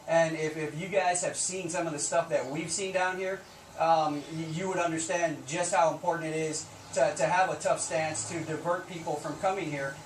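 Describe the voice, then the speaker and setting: A man with a slightly high voice answers questions in a live news interview as a Border Patrol officer, keeping a steady tone and moderate pace. He argues his case earnestly, insistently and plainly. The recording has a roomy echo, a distant mic and faint noise.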